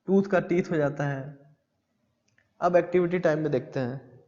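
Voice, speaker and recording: A man teaching English grammar in a classroom style. He reads English lines slowly, explains them in Hindi, and asks questions that he answers himself. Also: a little high, dark tone. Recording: dull lo-fi audio with long reverb.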